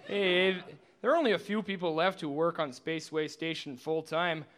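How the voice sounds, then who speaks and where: An actor playing a cheerful, quirky space station chief who tends bar, with a folksy manner, in a sci-fi comedy. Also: male voice, on the high side, steady tone, normal speed, a bit bright, lightly acted. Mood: chatty. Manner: folksy, ends phrases with "eh". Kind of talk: animated sci-fi comedy dialogue.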